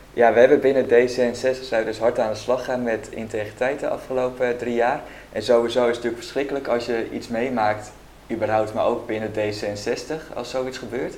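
A man at a medium pitch and moderate pace, monotone, flat intonation, with audible room echo and noticeable background noise. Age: 20s. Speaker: political party staff adviser. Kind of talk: interview. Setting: party office, shared microphone line.

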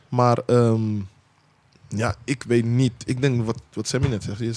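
A man's dark, mellow voice sits at a medium pitch with ordinary pitch variation. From Netherlands, Rotterdam. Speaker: former footballer and performance coach. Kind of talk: casual chat.

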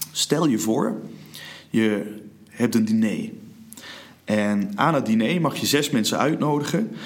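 Amid audible room echo, a man at a medium pitch speaks at a very slow pace with long, frequent pauses, lively intonation and very even loudness. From Limburg, Netherlands. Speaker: podcast host and speaking coach. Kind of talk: interview. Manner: animated.

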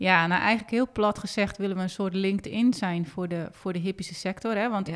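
Her pitch sits in the medium range for a woman. The pitch moves up and down in an ordinary way. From Netherlands, North Holland (Den Helder region). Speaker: entrepreneur in the equestrian sector. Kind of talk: interview. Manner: hesitant with many fillers.

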